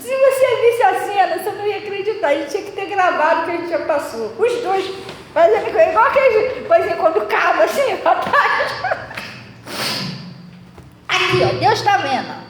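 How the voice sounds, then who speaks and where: A Brazilian woman pastor with a Brazilian Portuguese accent, preaching and telling a story with lively acted-out quotes. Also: extremely high pitch, moderate pace, a little hiss or hum. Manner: animated storytelling, acting out quoted voices, laughing often. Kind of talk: sermon with storytelling. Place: church hall. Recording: echoey church hall, voice from a distance.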